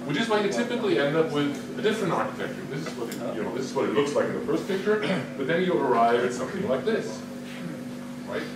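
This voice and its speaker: A man's voice: on the high side, fast. A man giving a technical conference talk. He asks many questions and often restarts his sentences. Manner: questioning, lively, self-correcting restarts. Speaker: conference speaker. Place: large conference room. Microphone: no microphone, distant recording. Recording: echoey hall recorded from far off, noisy.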